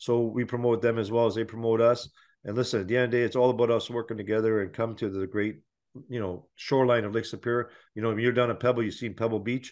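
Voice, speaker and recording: In a northern Ontario accent, a man at medium pitch rattles off words at a very fast pace in a flat monotone over a quiet background. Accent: Canadian (northern Ontario). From northwestern Ontario, Canada. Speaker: mayor. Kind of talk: interview.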